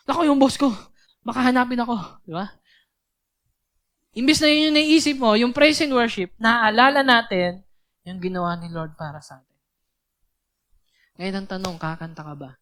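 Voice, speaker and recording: A woman's voice: mid-range voice, a bit bright. A young woman preaching at a church youth service, talking casually and often asking the listeners rhetorical questions. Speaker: youth speaker.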